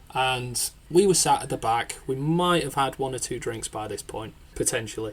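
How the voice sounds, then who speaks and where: A man with a Yorkshire accent talks at a moderate pace. His voice is somewhat breathy, medium in pitch, with ordinary pitch variation. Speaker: clinical psychologist and author. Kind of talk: casual chat.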